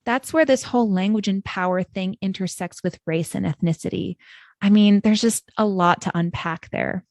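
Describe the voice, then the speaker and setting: A woman co-hosting a podcast for English teachers who speaks in a measured, earnest, affirming way. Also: medium pitch, a little mellow, no echo, clean studio sound. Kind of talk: scripted podcast discussion.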